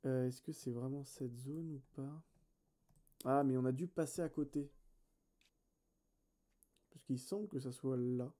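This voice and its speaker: A man with a very dark, mellow voice chats through a let's play session. He thinks out loud, trails off and corrects himself, and talks straight to his viewers in a casual tone. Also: medium pitch, unhurried, pauses often. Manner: thinks aloud, hesitant and self-correcting; chatty, addresses viewers directly. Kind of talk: casual gameplay commentary.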